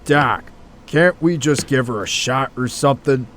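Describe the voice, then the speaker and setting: A laid-back hospital sidekick, played by a man in an audio drama, talking slowly at a medium pitch. He is easygoing and slangy. Faint noise sits in the recording. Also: fairly bright tone, close to an everyday voice. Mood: agreeable.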